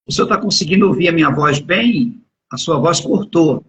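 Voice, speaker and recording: A man, middle-aged, hosting an informal live interview in a halting way, repeating words as he goes. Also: fairly high pitch, lively intonation, fairly bright tone, slightly rough. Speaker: podcast and radio host. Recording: dull lo-fi internet call audio.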